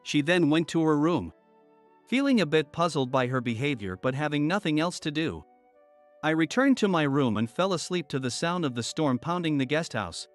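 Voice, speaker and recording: A man narrating a first-person story in a steady, even storytelling manner. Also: on the high side, normal speed. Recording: soft music bed under voice.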